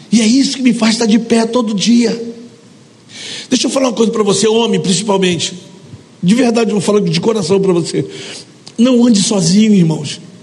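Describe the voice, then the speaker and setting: Against noticeable background noise and audible room echo, a man with a high pitch talks at a fairly quick pace, using long, frequent pauses, ordinary pitch variation and very even loudness. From Brazil, Rio de Janeiro. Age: 50s. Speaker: missionary. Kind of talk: sermon. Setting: church.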